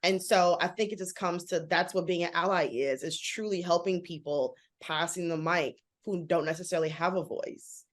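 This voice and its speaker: A woman in her thirties, a guest in a casual interview, talking quickly and animatedly with many "like" fillers. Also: on the low side. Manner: fast, animated, frequent "like" fillers. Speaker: guest, author and model.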